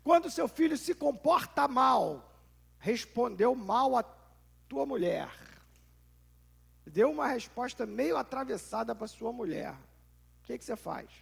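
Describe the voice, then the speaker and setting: A man's voice: very high-pitched, animated, unhurried, creaky, long pauses, breathy edge. A male pastor with a Brazilian Portuguese accent preaches a conversational sermon, firing rhetorical questions and acting out little scenes.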